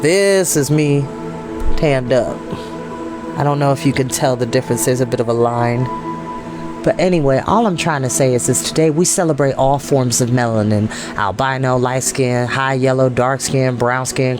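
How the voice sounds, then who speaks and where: An American man hosting a storytime show, talking informally and earnestly to online viewers with emphatic, repeated phrases. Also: mid-range voice. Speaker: host of a storytime reading show. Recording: soft meditation music behind the voice. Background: meditation music.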